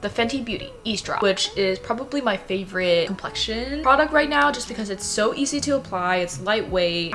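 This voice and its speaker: A young woman in her twenties talks through her morning makeup routine in a casual, chatty vlog voice. She is bubbly and pokes fun at herself. Clear background music runs under her voice the whole time. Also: medium pitch. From United States. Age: 20s. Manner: chatty, self-mocking, bubbly. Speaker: vlogger. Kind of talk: casual vlog talk while doing makeup.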